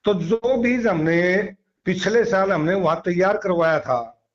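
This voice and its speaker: Male company officer, high voice, methodical explainer who repeats key terms. Dull phone-call recording. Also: unhurried. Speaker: seed company training and extension officer.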